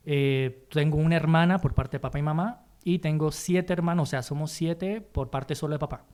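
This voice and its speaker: A man's voice: a little high, moderate pace, a little mellow, clear, resonant tone. Man with a Colombian-tinged Spanish accent. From Bolivia, raised in Colombia. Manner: rambling, many fillers and restarts. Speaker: guest on church podcast. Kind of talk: casual chat.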